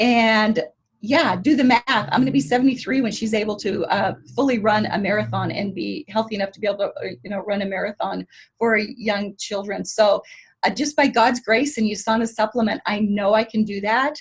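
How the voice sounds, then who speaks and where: At a fairly quick pace, a woman talks in a fairly high, somewhat breathy voice whose pitch varies in an ordinary way. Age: 60s. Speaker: nail technician and network marketer. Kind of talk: interview on a training call. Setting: conference call.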